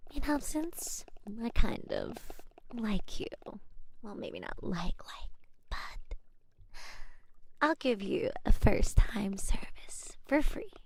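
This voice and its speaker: A woman's voice: mid-range voice, exaggerated voice. A woman whispering in the role of a friendly, playful young witch shopkeeper who teases and giggles. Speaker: ASMR roleplay creator. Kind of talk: ASMR roleplay.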